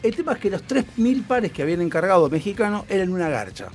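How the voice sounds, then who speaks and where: Young Rioplatense man, animated storyteller, crude and playful, pitch jumping all over. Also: fast talker, soft background music. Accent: Rioplatense Spanish. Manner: animated, crude slang, acts out quotes. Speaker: storyteller host. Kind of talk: casual storytelling chat.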